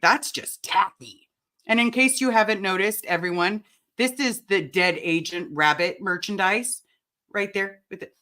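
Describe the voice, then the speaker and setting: A woman with a raspy voice hosting a casual livestream chat and talking straight to her viewers. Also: medium pitch, a little slow. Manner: chatty and animated, addresses the chat directly. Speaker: livestream host.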